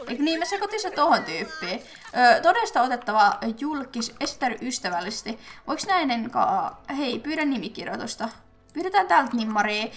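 A young woman from Finland chatting casually as she plays a life-simulation game, thinking aloud with fillers and quick bursts of excitement. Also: on the high side, gravelly. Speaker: gaming YouTuber. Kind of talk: casual let's-play commentary.

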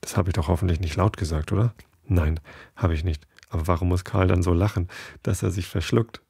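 A man hosting a podcast, reading a first-person story in a calm, measured way. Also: low-pitched, creaky, slightly rough, no echo, clean studio sound.

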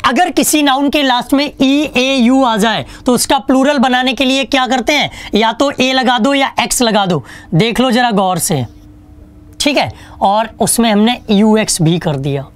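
A man's voice: very high voice, measured pace. A man teaching an online exam-prep English lesson, chatty and joking, asking questions and answering them himself. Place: online class studio with a whiteboard.

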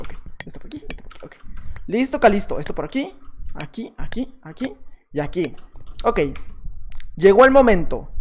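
A man with a Mexican accent giving casual gameplay commentary, chatty and repeating short phrases over and over, sometimes bursting into loud excited yelling. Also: very high-pitched. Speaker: gaming channel host.

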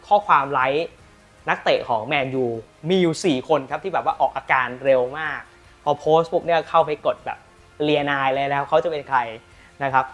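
A man hosting a football news channel, telling the latest transfer stories with lively emphasis and then pitching rare team shirts. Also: fairly quick, soft background music. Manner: lively, emphatic storytelling with frequent polite particles. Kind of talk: energetic football news commentary and product pitch.

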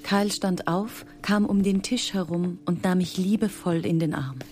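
A woman's voice: on the low side, normal speed, darkish tone, close to an everyday voice. An actress playing a grieving, exhausted mother in an audio drama, subdued and emotional. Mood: downcast, subdued. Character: grieving, exhausted mother of a missing son, Sun Jin. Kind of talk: audio drama acting with first-person narration.

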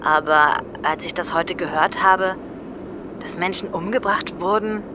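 A woman's voice: on the low side, a little slow, noisy background, close to an everyday voice. An actress playing an earnest, concerned young woman in a German audio drama. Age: young adult. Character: young female model, earnest and concerned for a friend.

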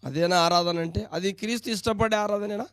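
High-voiced, smooth man preaching. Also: fairly even intonation, brisk, fairly bright tone, no room sound, studio quality. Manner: preaching with pointed questions to the congregation. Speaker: pastor. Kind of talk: sermon.

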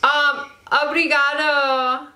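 A woman in her twenties from Canada, chatting casually with strangers on video calls and teasing them with deadpan jokes. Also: sits high, slow pace, echoey room, noisy background. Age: 20s. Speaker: host. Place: bedroom.

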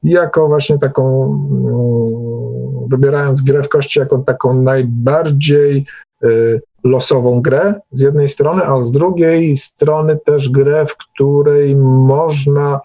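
Mellow-voiced man hosting, halting delivery. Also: medium pitch, steady tone, gravelly, faint music behind. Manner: halting, hesitant delivery with drawn-out pauses. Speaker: host of an online group meeting. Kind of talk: unscripted group discussion. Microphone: online call microphone.

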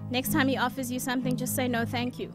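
A woman's voice: high voice, little pitch movement, quick pace, natural voice. A woman playing a caring, probing young student and big sister in an audio drama, with guitar music behind. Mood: concerned.

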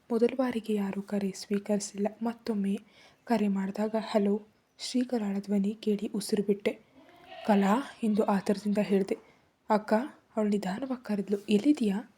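A woman narrating a first-person dramatic story in a soft, often whispery voice, voicing the characters' lines herself. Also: medium pitch, breathy edge.

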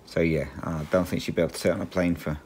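A middle-aged Englishman whose speech carries a faint Australian twang talks in a very low voice. He rambles casually while stitching, restarting sentences, filling pauses with ums and chuckling often. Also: flat delivery, a little mellow, slight background noise. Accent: English with a slight Australian twang. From England. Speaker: cross-stitch vlogger.

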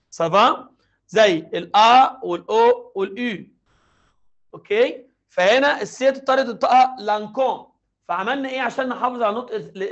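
A man with a strikingly high voice and an Egyptian Arabic accent leads a French review class. He chants conjugations in steady repetition and keeps checking that students follow. The recording sounds dull and lo-fi. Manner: drills conjugations aloud, repeating forms and checking in with the class. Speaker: French teacher. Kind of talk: exam review lesson.

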